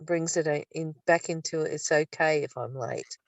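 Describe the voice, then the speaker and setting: Older female, low register, reflective study-group speaker, slightly distant mic. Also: moderate pace, creaky. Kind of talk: reading aloud and reflective discussion. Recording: roomy, distant microphone.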